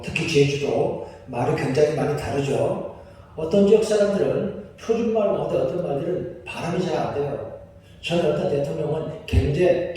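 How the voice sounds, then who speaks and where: In a church sanctuary, a pastor with a fairly high, warm voice preaches conversationally, often putting questions to the congregation. The hall is echoey and his voice is captured from far away.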